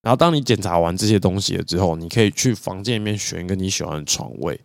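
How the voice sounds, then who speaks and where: A young Taiwanese man talks quickly, and his pitch jumps all over as he tells a story. He laughs often and slips into voices for the people he describes. The sound is dry and close. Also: gravelly, dry recording. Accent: Taiwanese Mandarin. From northern Taiwan. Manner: animated, laughs often, acts out quoted lines. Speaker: podcast co-host. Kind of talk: casual storytelling chat.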